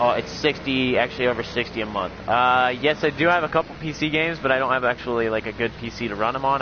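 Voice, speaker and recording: Noticeable background noise fills the clip. Over it, a man talks at a medium pitch. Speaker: gaming YouTuber live streaming. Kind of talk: casual live stream commentary while gaming. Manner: loud.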